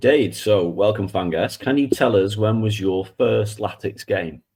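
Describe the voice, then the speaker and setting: In a Manchester accent, a man talks in a somewhat breathy voice with ordinary pitch variation. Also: fairly low pitch for a man, fairly slow pace. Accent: Greater Manchester English. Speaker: football podcast co-host. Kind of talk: casual chat.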